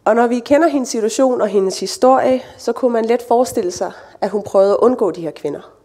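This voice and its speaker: A woman giving a sermon and reading scripture, speaking in a relaxed, conversational way with light asides. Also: on the high side. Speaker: church speaker.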